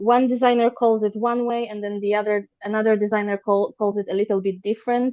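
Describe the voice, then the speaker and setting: The speaker is a woman. She talks with a Polish accent. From Poland. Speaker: self-taught bag designer. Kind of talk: live Q&A panel.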